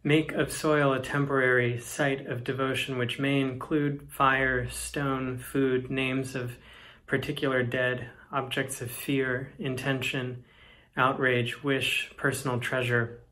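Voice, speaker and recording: Very slow, even-toned young man reading. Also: mid-range voice. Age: young adult. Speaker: poetry reader. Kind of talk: reading a poetic text aloud. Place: indoors, plain room.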